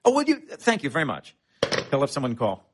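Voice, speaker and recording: An actor playing a hot-tempered middle-aged husband on vacation, biting and sarcastic, flaring into shouting. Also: male voice, medium pitch, huge pitch swings, a little fast, background noise. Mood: exasperated. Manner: flares into shouting. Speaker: hotel guest on vacation. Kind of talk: comic film acting.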